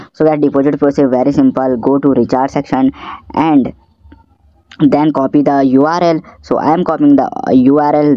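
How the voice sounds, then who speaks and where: A man's voice: mid-range voice, dark tone, no room sound. A man with a South Asian accent narrating a tutorial step by step in non-native English, repeating himself as he promotes an app. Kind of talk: screen-recorded tutorial narration. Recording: dull, lo-fi voice-over.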